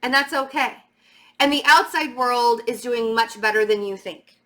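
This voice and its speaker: Middle-aged woman, sharp bright voice, slight stammer, casual tarot reader, emphatic halting delivery. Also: fairly high pitch. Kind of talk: casual spiritual tarot reading to viewers.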